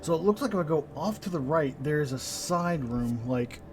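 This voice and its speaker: A young streamer with a higher, slightly mellow voice that sounds a bit sinusy talks at a moderate pace with lively intonation. He muses to himself and tosses wry comments to chat over game music.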